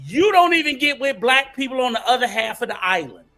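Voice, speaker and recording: A man's voice: extremely high pitch, big pitch swings, brisk, sharp tone, faint music behind. A man on a podcast panel debating heatedly, insisting on finishing his point.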